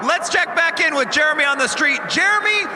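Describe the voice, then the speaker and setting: Brief: male anchor, high bright pitch, upbeat loud hand-off over background noise. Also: brisk. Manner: upbeat, calling out loudly. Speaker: news anchor. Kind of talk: live broadcast hand-off.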